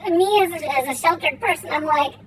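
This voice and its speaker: A woman giving casual gameplay commentary and chatting with viewers in a rambling, halting way, her R's softened toward W. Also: extremely high pitch, a little hiss or hum. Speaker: game streamer. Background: faint music.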